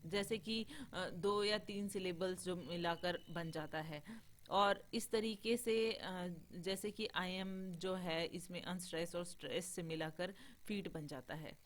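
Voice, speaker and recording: A woman's voice: fairly low pitch, steady tone, slow pace. A woman teaching an online class on poetic meter, mixing English terms into her explanation, with frequent filler sounds and restarts.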